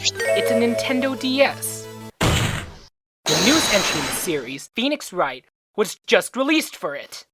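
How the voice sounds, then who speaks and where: A woman's voice: mid-range voice, very animated, a little slow. A woman in an English game fan dub playing an earnest, assertive young male defense attorney with a pointed, dramatic courtroom delivery. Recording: amateur dub under loud music.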